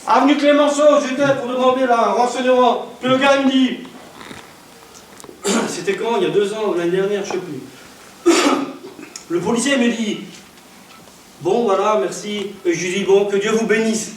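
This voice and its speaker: A man preaching as an evangelist, telling stories in a lively way, with loud bursts and acted-out dialogue. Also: sits high, moderate pace, long pauses. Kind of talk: storytelling sermon. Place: church. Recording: echoey church hall from far off, faint hiss.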